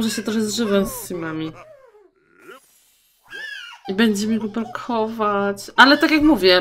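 A young woman casually commenting on her life-simulation game, chatting to her sims and her viewers and going high and loud when surprised. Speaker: gaming YouTuber. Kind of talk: casual let's-play commentary.

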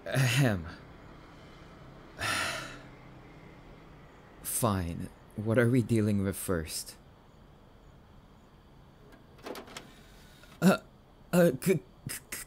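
A man's voice: mid-range voice, lively intonation, drawn-out words, pauses often, warm tone, a little hiss or hum. A man playing a grumpy, affectionate, easily spooked young catboy boyfriend in an ASMR roleplay, defensive and prone to stammering. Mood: nervous.

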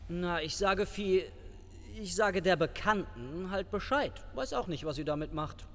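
Lively, flirtatious police sergeant. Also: male voice, high voice, unhurried, in a large hall, full character voice. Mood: evasive, appeasing. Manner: charming, wheedling, evasive. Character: flirtatious, evasive, smooth-talking male police sergeant. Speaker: actor in crime audio drama. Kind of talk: German crime audio drama acting.

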